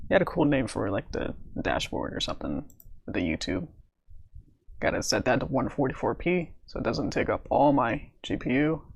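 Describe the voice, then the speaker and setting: A man live-streaming from home at his computer, talking in a rambling, stop-start way with a raspy voice while coming down with a cold. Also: on the high side. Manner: rambling, with many fillers and stammered restarts. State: coming down with a cold, sore throat. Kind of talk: casual live-stream chat.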